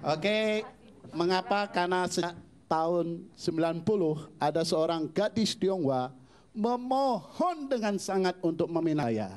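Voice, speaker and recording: A man's voice: sits high, animated, a little slow, darkish tone. A man who is a pastor doing stand-up comedy with boastful, self-mocking jokes. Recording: stage mic with audience noise. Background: audience laughter and cheering.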